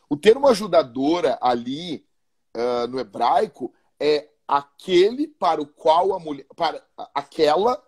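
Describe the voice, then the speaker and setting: A man's voice: high voice, slightly rough. A male pastor, talking casually and animatedly, often repeating and restarting his words. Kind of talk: casual podcast talk about marriage.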